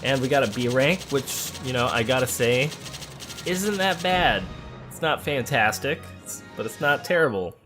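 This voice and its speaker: A man's voice: medium pitch, expressive, moderate pace, pushed and bright. A man hosting a let's play, thinking aloud in casual, conversational game commentary. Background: game music.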